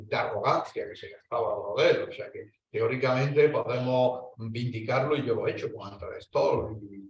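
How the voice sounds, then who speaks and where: A man with a Spanish accent speaking on an academic panel, talking in long winding stretches with restarts and lively rises in pitch. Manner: discursive, hesitant restarts, animated rises. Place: lecture hall. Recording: echoey hall, distant mic.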